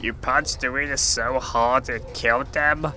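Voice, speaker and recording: An actor playing a blunt, sarcastic and exasperated flying hero in an audio drama. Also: male voice, medium pitch, fairly even intonation, a little slow, noisy background, natural voice. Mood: weary, grumbling. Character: exasperated sweary flying hero, stranger from Earth. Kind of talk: scripted audio drama acting.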